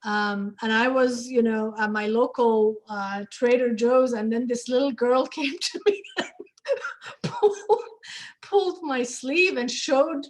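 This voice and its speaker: A woman's voice: on the high side, unhurried, a little hiss or hum. A woman hosting a casual conversation, asking questions in an informal interview style. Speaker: host of a discussion with theater performers.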